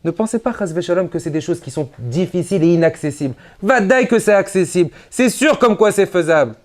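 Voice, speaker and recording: This rabbi's conference sermon comes in an expressive, brisk man's voice. He mixes in Hebrew religious vocabulary and preaches emphatically, with sudden swings in pitch and loudness.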